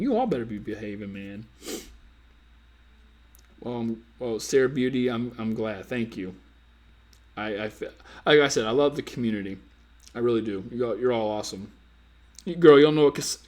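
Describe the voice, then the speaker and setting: A man hosts a casual live stream, answering viewer comments as a dating coach. He teases, jokes and speaks in loose slang straight to his audience. His voice sits in an ordinary middle pitch, picked up by a computer mic. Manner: playful, teasing, addresses viewers directly with slang.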